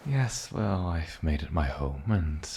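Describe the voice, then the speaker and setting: Man voicing a very deep, soft-spoken ancient demon. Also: lively intonation, slow pace, slight background noise, exaggerated voice. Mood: wistful, inviting. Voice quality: soft, breathy low voice with gravelly creak. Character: eccentric, lonely, ancient male island demon. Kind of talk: soft-spoken ASMR fantasy roleplay.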